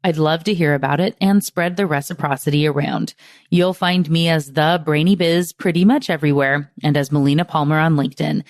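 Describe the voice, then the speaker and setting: Low-voiced upbeat woman podcast host. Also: darkish tone, no room sound, studio quality. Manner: upbeat, encouraging. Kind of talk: podcast hosting and scripted wrap-up.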